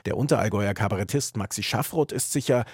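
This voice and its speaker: Gravelly, husky male radio narrator. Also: fairly low pitch, quick pace, no room sound, studio quality. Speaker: radio reporter.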